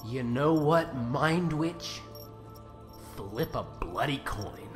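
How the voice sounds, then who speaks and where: An actor playing a desperate, defiant young mage apprentice, agitated and prone to stammering, in an audio drama. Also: male voice, mid-range voice, lively intonation, very slow, over music. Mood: bitter defiance.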